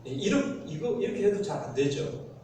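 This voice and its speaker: A man pastor preaching a sermon, lively and acting out everyday complaints, in a church sanctuary. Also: high voice, moderate pace. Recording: echoey church hall, mic at a distance, faint noise.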